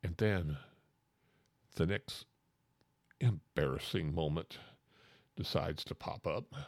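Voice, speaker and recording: In a Southern US accent, a man speaks fairly slowly with a very deep, low pitch, vocal fry, ordinary pitch variation and long, frequent pauses, captured dry and close with no echo on a very clean recording with a silent background. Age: 50s. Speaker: podcast host. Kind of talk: comedic storytelling monologue.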